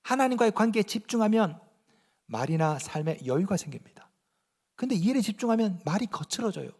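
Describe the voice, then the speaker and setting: A male pastor preaching a sermon in church. He asks the congregation questions and swings between loud, emphatic lines and hushed, almost whispered ones. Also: high-pitched, sing-song, fairly quick, slightly rough, big-room sound.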